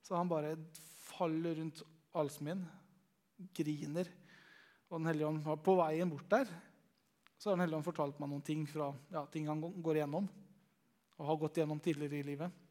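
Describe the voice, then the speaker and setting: A man's voice: on the high side, fairly even intonation, long pauses, darkish tone. A young man telling a Christian testimony, chatty and full of fillers. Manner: storytelling, conversational with many fillers. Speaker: Christian youth leader giving testimony.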